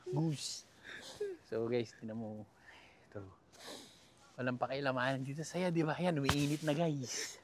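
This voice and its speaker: A man's voice: mid-range voice, fairly even intonation, unhurried, pauses often, a little hiss or hum. A man from the Philippines hosting a casual travel vlog, joking and laughing as he talks straight to his viewers while walking outdoors along a river. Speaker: travel vlogger.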